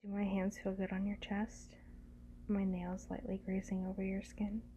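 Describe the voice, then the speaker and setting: A woman playing a doting, teasing lover in an intimate ASMR roleplay, speaking gently and soothingly in a breathy voice that often slips into whispers. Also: medium pitch, completely flat delivery, normal speed, slight background noise, lightly acted. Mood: gentle, teasing.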